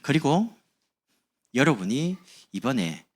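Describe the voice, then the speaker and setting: A pastor from Busan, South Korea, gives a chatty, humorous sermon to his congregation in a church sanctuary. His mid-range voice swings widely in pitch, and he speaks slowly.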